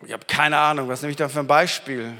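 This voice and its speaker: A man preaching a fervent sermon, swinging between shouting and quiet, intense declarations. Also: on the high side, steady tone, quick pace. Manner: shouting with fervor, then dropping to quiet declarations. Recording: reverberant hall.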